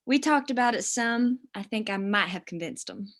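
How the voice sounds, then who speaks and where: A woman's voice: a little high, lively intonation, moderate pace, a bit bright. A woman playing a candid young townswoman from a mining town in a screenplay table read. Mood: defensive.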